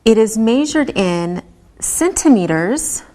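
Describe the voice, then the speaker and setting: A woman's voice: a little high, animated, takes it slowly, mellow. A woman teaching an elementary English lesson, speaking carefully and repeating each example patiently. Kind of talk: slow, carefully enunciated classroom teaching.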